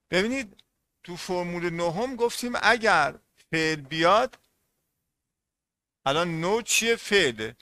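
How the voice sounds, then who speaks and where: A man's voice: high voice, sharp tone, dry recording. A man teaching English grammar in an online class, speaking on English words, often repeating points and asking the class questions.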